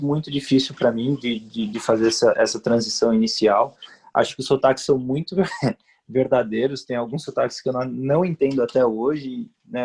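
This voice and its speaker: A man, a medical resident in a casual podcast chat, who speaks hesitantly with halting restarts. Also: mid-range voice, darkish tone, breathy edge.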